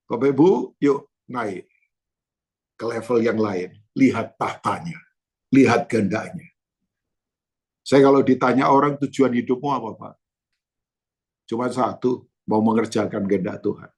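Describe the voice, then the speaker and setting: Man, pastor, sermon, gravelly, husky, animated storytelling. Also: mid-range voice. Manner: animated preaching with storytelling, addresses congregation directly. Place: church.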